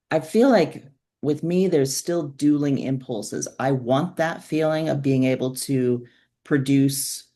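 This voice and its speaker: Slow-talking woman in casual conversation. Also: rumbling low, warm tone. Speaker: author and podcaster, interview guest.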